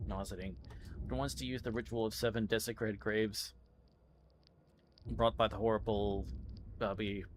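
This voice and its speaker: A man's voice: lowish voice, slight background noise. A man giving casual gameplay commentary and reading aloud, muttering to himself with dry, offhand asides. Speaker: game streamer. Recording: music behind the voice.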